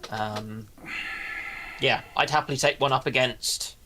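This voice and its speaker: A man's voice: medium pitch, measured pace, noisy background. A man speaking as a panellist in casual chat, hesitant as he searches for his words.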